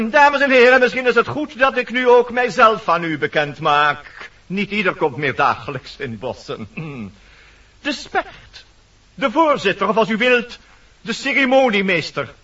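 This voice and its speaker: High-voiced, fussy woodpecker chairman. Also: expressive, a little slow, sharp tone, recorded from a distance, highs cut off, full character voice. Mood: officious. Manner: formal, pompous, easily exasperated. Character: fussy, officious woodpecker chairman and master of ceremonies. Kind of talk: Dutch radio play acting.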